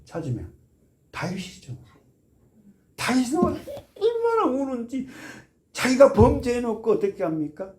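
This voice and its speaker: A male pastor delivers a Sunday sermon in a high, restless voice that leaps all over its range. He questions the congregation, leads them in reading aloud, and moves between hushed, intimate asides and loud, emphatic appeals. Casual, folksy remarks break in between the scripture points. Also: wildly swooping pitch, unhurried, long pauses. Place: church sanctuary.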